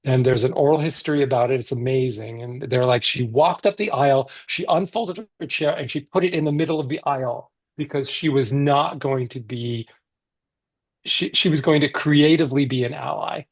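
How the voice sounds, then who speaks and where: A man's voice: medium pitch, normal speed, creaky. A man talking about his picture book in a casual panel chat, enthusiastic and full of restarts. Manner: enthusiastic, animated, with many restarts and fillers.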